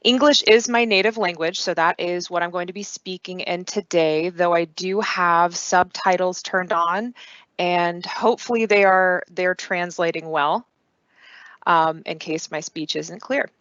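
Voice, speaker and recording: A woman in her thirties giving a conference talk online, with steady, clearly paced delivery. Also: lowish voice, a little slow, dry recording. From United States. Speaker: conference speaker. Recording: dull lo-fi dry sound.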